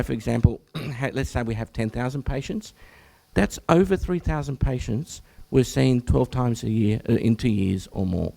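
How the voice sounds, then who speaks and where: An Australian GP presents to health professionals at an information session in a mid-range, dark voice gone hoarse and croaky from much talking. He clears his throat often and breaks off to restart phrases.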